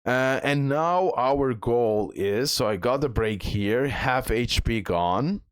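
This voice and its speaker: A man's voice: medium pitch, expressive, slow, clear, resonant tone, dry recording, clean studio sound. A man giving casual gameplay commentary as the host of a game guide, repeating himself and checking in with the listener.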